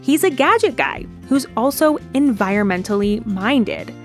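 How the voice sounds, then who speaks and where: A woman reporter narrating a radio news feature in a clear, steady way. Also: on the high side, a little slow, soft background music.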